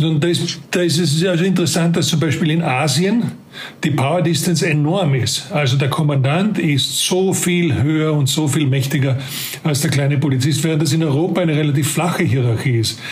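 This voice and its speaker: At a moderate pace, a man speaks in a fairly high pitch with ordinary variation and very even loudness. Noticeable background noise and audible room echo fill the recording. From Austria, Carinthia. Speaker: security adviser. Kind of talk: interview. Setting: video call.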